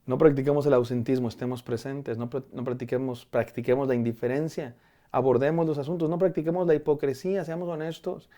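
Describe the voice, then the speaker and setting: A man's voice: mid-range voice, steady tone, a little fast, mellow. A middle-aged man preaching a devotional sermon to a camera, earnest and conversational, often restarting and repeating his words. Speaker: pastor. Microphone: camera framing, speaking to camera.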